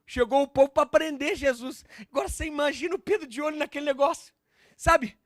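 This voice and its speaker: A man preaching a sermon. He builds to shouted appeals and acts out the scenes he tells. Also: extremely high pitch, quick pace, no echo, studio quality. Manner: acts out biblical scenes with voices; addresses listeners as "meu querido". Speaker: pastor.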